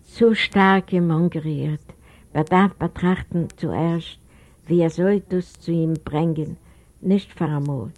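A woman's voice: sits low, slow, darkish tone. A woman voicing an elderly widowed father in an audiobook, speaking with remorse and guilt. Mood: shaken. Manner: remorseful, pleading. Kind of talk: audiobook character voice.

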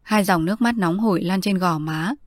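A woman narrating an audiobook story in a measured, even way. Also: lowish voice, no echo, studio quality.

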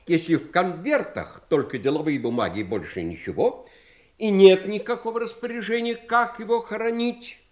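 An actor in a Soviet audio drama playing an uneasy, defensive middle-aged family lawyer, hesitant and formal, in a roomy recording. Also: male voice, high voice, animated, normal speed, darkish tone. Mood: uneasy, careful.

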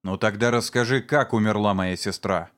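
A man voicing a vengeful man who sneers at and shouts accusations against his brother-in-law. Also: lowish voice, moderate pace, lightly acted. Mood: furious.

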